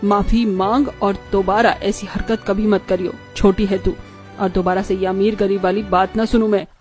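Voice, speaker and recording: A woman voicing a kind, caring middle-aged mother-in-law in an animated story, speaking in a calm, motherly tone. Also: medium pitch, moderate pace, faint music behind, close to an everyday voice. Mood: stern.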